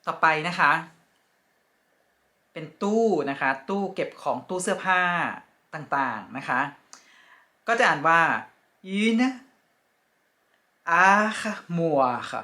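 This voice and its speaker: A woman teaching French vocabulary from picture cards, speaking slowly and politely and repeating each word with care. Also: sits low, expressive. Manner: polite, ending phrases with soft particles. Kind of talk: casual lesson with picture cards.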